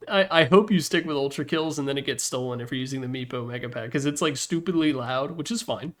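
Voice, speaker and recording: A fairly high, animated male voice at a moderate pace ranks game announcer packs. The host rambles casually, speaking bluntly and candidly with swearing, and records from his room using a Yeti desktop microphone.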